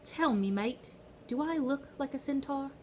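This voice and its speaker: A woman voicing Charon, a smooth, cold male ferryman of the dead with a British-tinged foreign accent, in a condescending drawl. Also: sits high, expressive, measured pace, a little hiss or hum, pitched above the performer's own voice. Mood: mocking.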